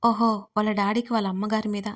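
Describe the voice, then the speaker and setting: A woman narrates an audio story in the first person. Her read is plain and steady, held in a narrow pitch range that stays almost flat. Her voice sits in a middle register for a woman. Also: quick pace.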